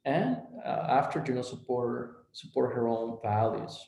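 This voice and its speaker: A man's voice: mid-range voice, expressive, unhurried, creaky, a little mellow, roomy sound, low-quality recording. A man from Mexico, a clinician giving a recorded presentation, who retells patient dialogue and often restarts and repeats his words.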